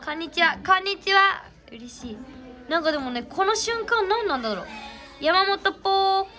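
Bright high-voiced young woman. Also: very animated, fairly quick. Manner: chatty, thanks fans by name. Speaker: idol reading fan names. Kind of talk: casual livestream chat.

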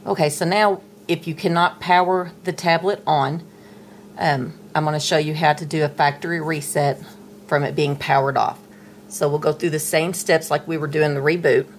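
A middle-aged woman talks through a hands-on tablet tutorial in a patient, chatty way. Her voice sits low, and a faint hiss runs under the indoor recording. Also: steady tone, normal speed. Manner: patient, chatty, talks while handling the device. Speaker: tech tutorial presenter. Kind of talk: casual step-by-step tutorial. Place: indoors at a table, dim room.

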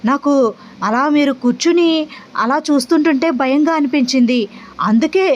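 A woman's voice: high-pitched, moderate pace, muffled recording, close to an everyday voice. A woman voicing a playful wife who teases her husband with innocent, sing-song questions. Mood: innocently teasing.

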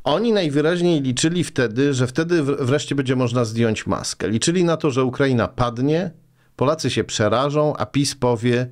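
A man's voice: mid-range voice, moderate pace. A man in his forties, a guest in a political interview in a small studio, speaking with many hesitations and sarcastic remarks. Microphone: boom mic on desk arm.

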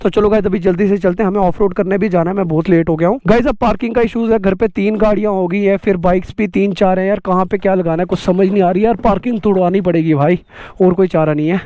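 Excitable young man vlogging on a motorbike. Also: high-pitched, fast, no room sound. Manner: excitable, shouting over wind while riding. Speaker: motovlogger. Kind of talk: casual vlog talk to viewers. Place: in a car, then outdoors riding a motorbike in city traffic.

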